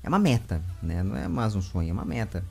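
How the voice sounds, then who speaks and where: A man in his twenties with a Brazilian accent, hosting a casual interview in an animated, rambling way, speaking into a close desk microphone at home. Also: low voice, quick pace, vocal fry, soft background music. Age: 20s. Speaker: interviewer and show host. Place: small room with bookshelves at home. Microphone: large desk microphone with foam windscreen, close.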